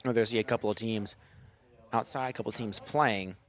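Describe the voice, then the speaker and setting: Steady young radio play-by-play man. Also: on the low side, a little fast. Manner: steady, rises with the action on big plays. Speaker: play-by-play announcer. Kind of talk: radio baseball commentary. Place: press box at a ballpark.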